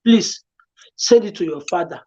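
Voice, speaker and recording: A woman's voice: fairly low pitch, animated, moderate pace, dark tone, breathy edge, lo-fi sound. A woman with a Nigerian accent, a guest on a talk show, giving earnest, repetitive and pleading advice. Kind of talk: emotional advice-giving chat.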